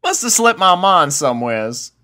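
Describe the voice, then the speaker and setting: A man's voice: high-pitched, sing-song, normal speed, bright, forceful tone, voice pushed up, full character voice. A man voicing an easygoing female farm pony from a cartoon, with a Southern US accent and folksy country talk. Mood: sheepish.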